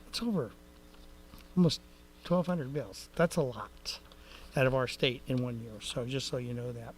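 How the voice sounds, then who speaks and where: A man's voice: mid-range voice, normal speed, slight background noise, low-quality recording. A man giving a rambling, folksy report at a city council meeting, with many fillers and restarts. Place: council chamber.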